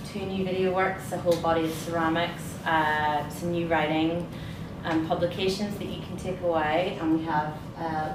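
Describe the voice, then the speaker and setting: Woman doing a casual gallery intro, bit hesitant, distant mic, echo and clear background noise. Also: deep voice. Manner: relaxed, conversational, hesitant. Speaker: exhibition tour host. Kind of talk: informal public talk. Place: indoor gallery space. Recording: echoey room, distant mic, noisy.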